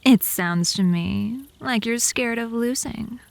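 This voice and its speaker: A woman's voice: fairly high pitch, takes it slowly, gravelly, no room sound. A woman playing an indignant, lovesick young female vampire, haughty but easily flustered, in a comedic ASMR roleplay. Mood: defiant.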